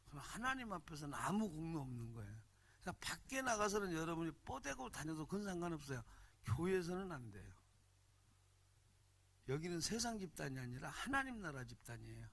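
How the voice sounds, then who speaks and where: A man preaching a sermon at a church retreat in a blunt, humorous, colloquial way, often calling out for the congregation to answer "amen.". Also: a little high. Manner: animated, calls for "amen" and "hallelujah" responses; colloquial, blunt and humorous, mimics regional speech. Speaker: pastor.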